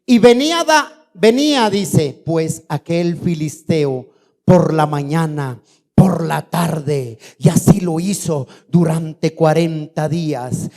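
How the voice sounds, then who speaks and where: A man's voice: fairly high pitch, takes it slowly, dark tone. A man, a pastor, preaching a fiery sermon in church and quizzing the congregation with questions. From Colombia.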